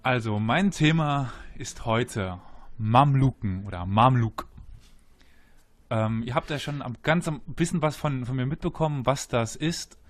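A man hosting a relaxed history podcast. He explains in a mid-range voice, often pausing with "ähm" and restarting sentences, and stops now and then to quiz his two guests. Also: medium pitch, soft background music. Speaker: podcast host. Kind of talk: casual history podcast talk.

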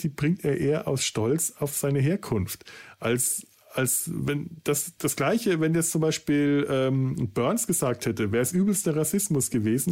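A man's voice: fairly high pitch, gravelly, mellow. A man co-hosting a podcast, talking thoughtfully and hesitantly with many fillers and restarts. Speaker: podcast co-host. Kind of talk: casual podcast chat.

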